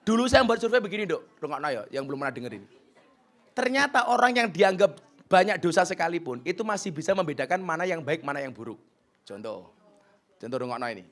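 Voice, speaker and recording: A middle-aged man delivers a sermon, teasing his listeners one moment and booming the next. His voice sits high and sounds bright and forceful. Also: fast. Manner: joking, animated, swings between soft and loud. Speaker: preacher. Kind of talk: lively sermon to a crowd.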